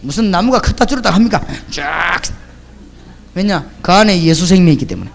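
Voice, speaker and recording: A middle-aged pastor preaches in a high-pitched voice. He tells lively stories and acts out the people he quotes as he goes. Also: a little fast, gravelly, a little hiss or hum. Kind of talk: sermon.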